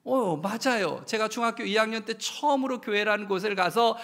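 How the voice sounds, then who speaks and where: A man in his fifties preaching in a church sanctuary, with a fairly high voice and a gravelly edge. He tells stories in a plain, personal way and his voice swells louder when he reaches a point of feeling. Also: a little fast. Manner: storytelling, swelling louder at emotional peaks. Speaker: pastor. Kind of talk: sermon.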